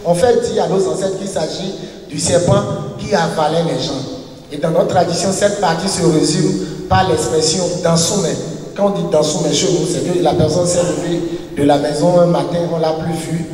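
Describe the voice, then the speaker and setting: Halting lecturer echoing in a far hall. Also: male voice, high-pitched, a little mellow. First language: a local language, not French. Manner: halting, searching for words with many restarts and fillers. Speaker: university professor and historian giving a lecture. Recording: echoey hall recorded from far off.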